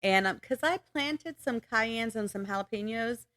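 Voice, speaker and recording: A woman's voice: fairly high pitch, a little slow, a bit bright. A woman co-hosting a podcast in casual chat with a friend, giggly and teasing in manner. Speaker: podcast co-host.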